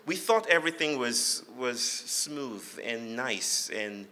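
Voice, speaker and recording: A Nigerian-accented man from Lagos, a guest speaker, delivers a lecture-style public talk to an audience in a large hall, telling humorous stories in measured phrases with dramatic pauses, reflective and playful. His mid-range voice is expressive, bright and forceful. The hall is echoey, with long reverb on the recording.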